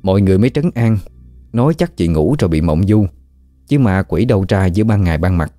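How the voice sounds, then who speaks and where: A man with a Southern Vietnamese accent narrating a ghost story in a measured way. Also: deep voice, animated, dark tone, no room sound. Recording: dry close mic with faint music.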